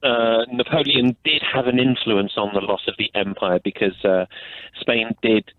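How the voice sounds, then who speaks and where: Male caller, low voice, hesitant delivery, heard over a tinny phone line. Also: steady tone, dry recording. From United Kingdom. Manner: hesitant, halting, many fillers. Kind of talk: radio phone-in call.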